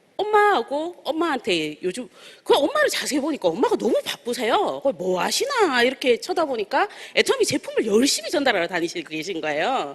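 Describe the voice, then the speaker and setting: Over noticeable background noise, a woman with a Daegu accent talks at a fairly quick pace in a high pitch with very wide pitch swings. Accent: Gyeongsang dialect (Daegu). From Daegu, South Korea. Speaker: network marketing distributor. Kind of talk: seminar talk.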